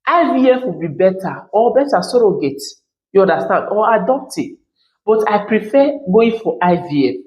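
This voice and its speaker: Nigerian lady ranting her take on her channel, keeps going "you understand?", middle pitch, echoey room. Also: very animated, moderate pace, darkish tone. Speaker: commentary channel host. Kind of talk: reaction commentary monologue.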